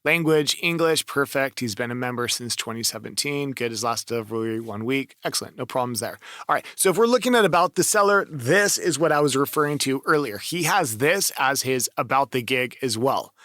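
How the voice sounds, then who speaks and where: Bright, emphatic man coaching voice-over. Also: medium pitch, lively intonation, fairly quick, few pauses, no echo, studio quality. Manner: enthusiastic, emphatic advice with frequent praise. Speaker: voice-over coach reviewing gigs. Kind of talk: casual screen-share review.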